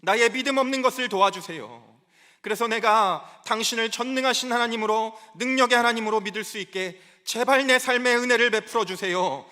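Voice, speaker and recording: A desperate grown father pleads in anguish to be helped to believe, as a male preacher acts him out within a sermon. The voice is high and bright for a man and strains with urgency. He begs again and again. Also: lively intonation, moderate pace. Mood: pleading.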